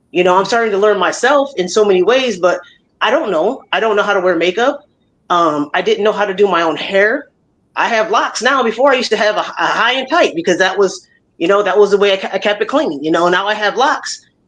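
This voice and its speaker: A woman at a fairly quick pace, with lively intonation. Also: medium pitch for a woman. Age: 50s. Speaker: live streamer. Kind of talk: casual chat. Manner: halting.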